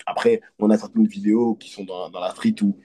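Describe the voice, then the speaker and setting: A man from Côte d'Ivoire, a hypnotist, talking in an earnest, reflective and halting way as an interview guest. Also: fairly low pitch, steady tone, warm tone. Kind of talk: casual interview conversation.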